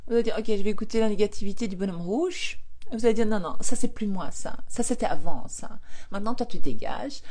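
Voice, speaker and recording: A woman coaching viewers on affirmations in a live stream. She talks in a chatty, lively way, repeats phrases, laughs often and reads viewer comments aloud. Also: mid-range voice, quick pace. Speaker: manifestation coach.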